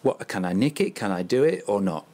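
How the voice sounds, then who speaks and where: A man hosting a podcast interview, asking questions and teasing his guest, with frequent quick agreements. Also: lowish voice, big pitch swings, warm tone. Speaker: podcast host. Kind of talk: conversational interview.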